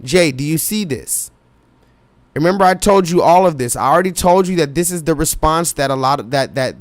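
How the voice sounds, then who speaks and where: A man's voice: on the high side, no room sound. A man hosting a live reaction stream, reading viewer comments aloud and pressing his chat with urgent, repetitive remarks. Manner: urgent, insistent, repeats himself, addresses chat directly.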